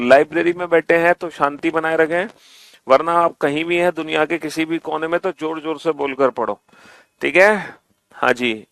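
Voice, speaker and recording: A man's voice: a little high, gravelly, a bit bright, no room sound. A man teaching an online exam-prep class, repeating instructions, chanting mnemonics aloud and playfully scolding his students.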